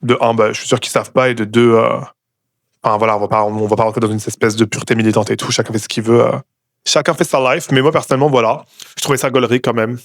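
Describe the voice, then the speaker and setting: A man's voice: medium pitch, little pitch movement, fast talker, dry recording, clean studio sound. A man from Bordeaux hosting a casual comedic podcast, rambling and sarcastic, with plenty of hesitations. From Bordeaux, France. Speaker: podcast host.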